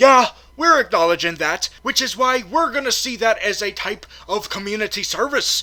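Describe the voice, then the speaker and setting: A man's put-on character voice, pitched extremely high, at a moderate pace. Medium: virtual streamer. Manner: bossy, officious, scolding.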